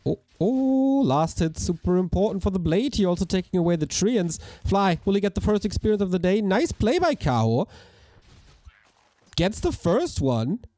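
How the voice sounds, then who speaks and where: A man with a hoarse voice, casting a live strategy game match in an energetic, chatty way while thanking viewers. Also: high-pitched. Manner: energetic, chatty, talks to chat. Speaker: esports caster. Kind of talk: live game commentary with chat shout-outs.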